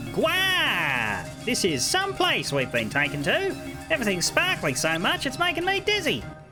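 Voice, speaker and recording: High-pitched put-on character voice from a man at a moderate pace over loud music in the background. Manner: excitable, blustery.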